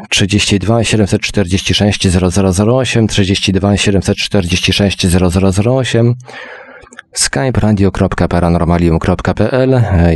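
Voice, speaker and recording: A man hosting a radio show, introducing it and reading announcements in a formal, measured way that addresses listeners directly. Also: deep voice, darkish tone, no echo. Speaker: radio host.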